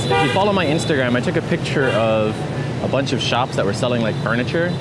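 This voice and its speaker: A man at a fairly quick pace, dry sound with no echo, loud background noise. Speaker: travel vlogger. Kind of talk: casual vlog chat. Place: street. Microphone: phone near.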